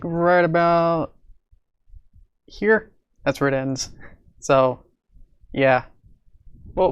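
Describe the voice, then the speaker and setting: A man live-streaming from home at his computer, talking in a rambling, stop-start way with a raspy voice while coming down with a cold. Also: medium pitch. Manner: rambling, with many fillers and stammered restarts. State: coming down with a cold, sore throat. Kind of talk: casual live-stream chat.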